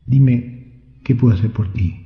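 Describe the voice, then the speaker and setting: A man's voice: medium pitch, slow, natural voice. A man voicing an indignant, commanding old king in a storybook reading. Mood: grateful. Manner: commanding, exclaiming. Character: indignant old male king, imperious and demanding. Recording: echoey, reverberant, slightly dull.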